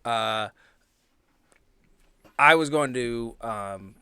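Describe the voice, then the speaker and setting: A man chatting casually as a tabletop game player, with a hesitant, halting delivery. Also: medium pitch, sharp tone, clean tone, no room sound. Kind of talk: casual chat and improvised play.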